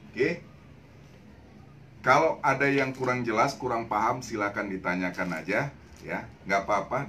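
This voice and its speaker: An older man, chatting upbeat and casual as he sells clothes on a live stream from a small shop. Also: medium pitch. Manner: chatty, upbeat, repeats greetings and slang. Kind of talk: casual live-selling chat. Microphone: phone camera across the shop. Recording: echoey shop with loud noise.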